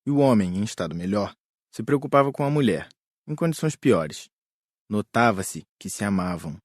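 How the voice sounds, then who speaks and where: A man's voice: lowish voice, animated, moderate pace, dry recording, studio quality. A man with a Brazilian accent playing a kindly, reassuring spirit rescue worker in an audiobook. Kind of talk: audiobook character dialogue.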